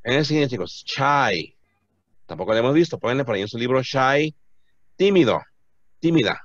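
A man's voice: medium pitch, expressive, moderate pace, no echo, lo-fi sound. A man teaching an English class to Spanish-speaking students, patiently repeating words to drill their pronunciation.

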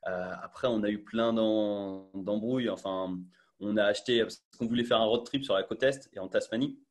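A man's voice: on the low side, normal speed. A young man talking casually as a guest on a video call, with many fillers and restarts, through an earphone mic. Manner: chatty, full of fillers and restarts. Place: small bright room indoors.

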